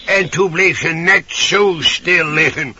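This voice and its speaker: An actor playing a hungry, bossy, simple-minded pig in a radio play. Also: male voice, fairly high pitch, takes it slowly, husky, exaggerated voice. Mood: matter-of-fact. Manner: blunt, excitable, simple-minded. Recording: muffled, noisy old radio play.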